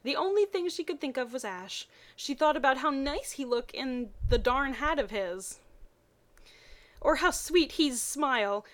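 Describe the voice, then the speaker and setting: A woman with a somewhat high voice reads amateur fiction aloud. Her delivery is expressive and dramatic, broken up by sardonic, muttered commentary in a drier tone. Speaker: reader of fan fiction. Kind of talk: mocking dramatic reading of badly written fan fiction with dry asides.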